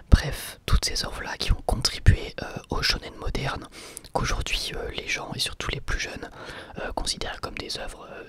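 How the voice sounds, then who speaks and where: Whispering young adult, close-mic ASMR, very lively pitch, casual and hesitant. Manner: soft steady whisper, casual and hesitant with many fillers. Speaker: ASMR channel host.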